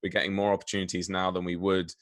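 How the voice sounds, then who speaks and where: A man's voice: low-pitched, little pitch movement, fast talker, a bit bright. A man hosting an interview in a casual, chatty style. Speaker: interview host.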